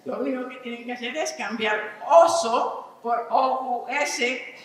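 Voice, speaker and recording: Slow-talking woman in an echoey hall. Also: fairly high pitch, distant mic. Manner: drills word lists aloud, asks the audience questions. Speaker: conference speaker teaching English vocabulary. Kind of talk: live conference talk. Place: large conference hall.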